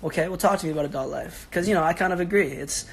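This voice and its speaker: Raspy-voiced sick young man chatting. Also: fairly high pitch, very fast. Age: 20s. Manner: laid-back, rambling, slangy, answering fans. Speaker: social media personality on a livestream. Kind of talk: casual livestream chat reading comments. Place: bedroom at home.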